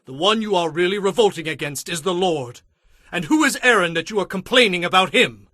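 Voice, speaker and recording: A man's voice: sits high, animated, brisk, sharp tone, no room sound, clean studio sound. A man playing a stern, indignant Hebrew prophet and leader in a dramatized scripture, speaking in an emphatic, commanding, declamatory way.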